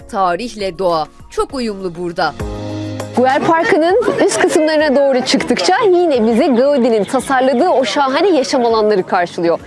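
A woman hosting a travel show, guiding viewers through an outdoor park in an enthusiastic, chatty way. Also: sits high. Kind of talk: travel show presenting, part narration.

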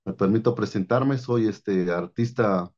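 A man's voice: lowish voice, darkish tone. Man on a dull video call. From Oaxaca, Mexico. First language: Mazatec. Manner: unhurried, frequent "este" fillers. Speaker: interviewed artist. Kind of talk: video call interview answer. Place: small room with paintings on wall. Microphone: laptop webcam video call.

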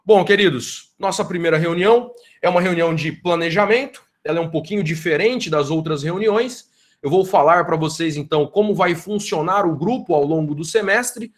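A man with a Brazilian Portuguese accent, a law professor, gives an informal, effusive address to students in an online meeting, often tagging his sentences with "né?", heard over a video call. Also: a little high. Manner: effusive, grateful, tags sentences with "né?". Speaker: law professor leading a research group.

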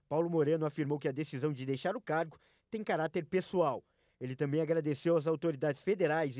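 A man's voice: on the high side, a little mellow, dry recording, clean studio sound. A man reading a scripted news voice-over in a formal, clipped way. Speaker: news reporter.

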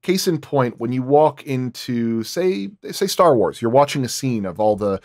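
A man's voice: medium pitch, expressive, a little slow, darkish tone, no room sound, studio quality. A man working as a sound designer explains his craft in detail in a roundtable discussion.

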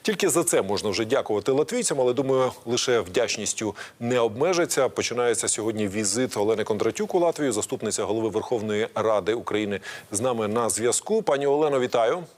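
A man's voice: fairly low pitch, animated. A man hosting a news channel interview, introducing his guest and asking questions in a polished presenter manner. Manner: brisk, polished presenter delivery. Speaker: TV news host.

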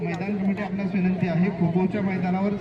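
A man with a dry throat announcing over an outdoor loudspeaker at a sports ground, repeating insistent calls to teams and officials. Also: sits high, level tone, fast talker, far from the mic. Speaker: event announcer. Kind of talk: public address announcements. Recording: echoey, dull loudspeaker heard from afar. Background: loud crowd and outdoor noise.

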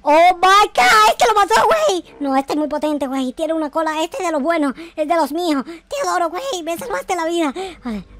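High-pitched, excitable noob gamer played by a man. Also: a little fast, hardly any pauses. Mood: amazed, relieved, then panicked, fed up. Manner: frantic, repetitive, exclamatory. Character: panicky, excitable, naive noob game character. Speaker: gaming video creator. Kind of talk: excited Minecraft roleplay commentary. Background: faint music.

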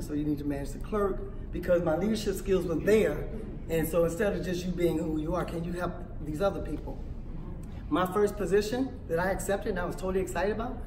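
A raspy-voiced woman, animated and emphatic, telling her story on a panel and laughing often. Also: lowish voice, echoey room, far from the mic, background noise. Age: 50s. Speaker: panel speaker, veteran author. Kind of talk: conversational storytelling. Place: small indoor room at a conference.

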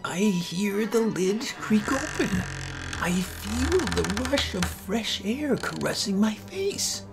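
A man's voice: high-pitched, very animated, slow pace, gravelly, over loud music. A man narrating a horror story in the first person, theatrical and brooding as an amateur voice actor.

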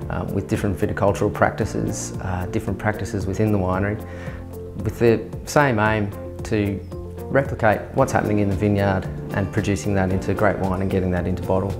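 A man, speaking as a winemaker in a filmed interview, measured and dotted with fillers. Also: on the low side. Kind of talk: documentary interview. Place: indoor winery tasting room. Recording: music bed underneath.

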